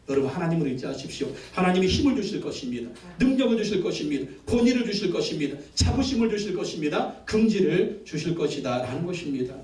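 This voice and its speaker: A man's voice: on the high side, darkish tone. A male pastor delivering an emphatic sermon, building call-and-response lists and repeated phrases. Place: church sanctuary. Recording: echoey church from a distance.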